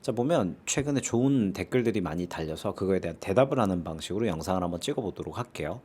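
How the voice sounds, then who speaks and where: Low-voiced man with a sore throat. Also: lively intonation, quick pace, darkish tone, husky. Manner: conversational, frequent rhetorical tag questions. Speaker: investing channel host. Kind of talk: casual talk answering viewer comments.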